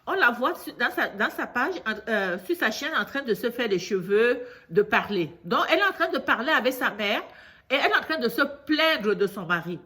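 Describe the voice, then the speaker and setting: A woman's voice: on the high side, sing-song, normal speed, sharp tone. A woman with a cold telling a news story to her viewers in a chatty way. She often repeats herself and grows indignant as she lectures. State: congested from a cold. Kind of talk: casual storytelling monologue to camera.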